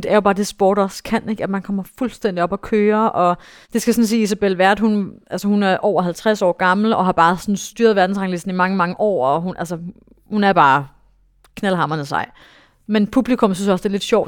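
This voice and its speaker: A young woman, a dressage rider, telling a story in a casual interview with lots of fillers and bursts of excitement. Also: on the low side, no room sound, clean studio sound. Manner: animated, excitable, many fillers.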